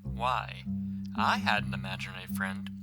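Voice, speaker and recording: Man playing easygoing pony dad over loud guitar. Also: sits low, steady tone, normal speed, vocal fry. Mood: curious, amused. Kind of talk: fan audio drama acting.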